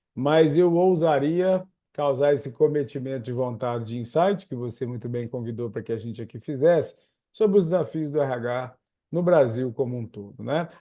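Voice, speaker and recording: A medium-pitched man with a dark, mellow tone and big swings in loudness, in a quiet background. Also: ordinary pitch variation, moderate pace. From Goiás, Brazil. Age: 40s. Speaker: HR executive and speaker. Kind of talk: webinar talk.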